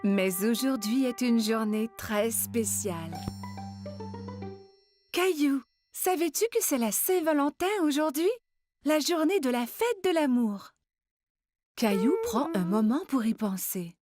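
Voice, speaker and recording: A kind cartoon storyteller, fairly high in pitch. The phrasing is simple and encouraging, like a storybook read to small children, over light music. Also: female voice, animated, takes it slowly, long pauses, a little mellow. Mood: encouraging, affectionate. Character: kind storyteller voicing nanny and mother. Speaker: narrator who also voices the adult women. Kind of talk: scripted children's story narration.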